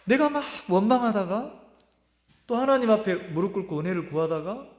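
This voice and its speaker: A middle-aged man preaching a sermon, telling a personal story in an earnest, emotional way, pausing and repeating his words. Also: high voice, expressive. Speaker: pastor. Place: church sanctuary. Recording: echoey church hall with long reverb.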